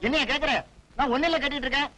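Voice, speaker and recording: An actor playing an irritated passer-by on a bicycle, exasperated and scolding. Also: male voice, very high voice, fairly even intonation, rapid-fire, bright, forceful tone, slight background noise, poor audio.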